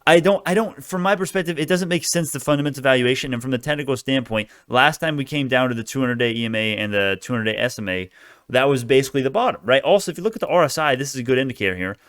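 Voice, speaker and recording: Male retail-trader host, crypto-bro swagger, quick and informal, clean smooth voice for off-the-cuff market commentary. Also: mid-range voice, a bit bright, dry recording, studio quality. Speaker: stock video host. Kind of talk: casual stock market commentary.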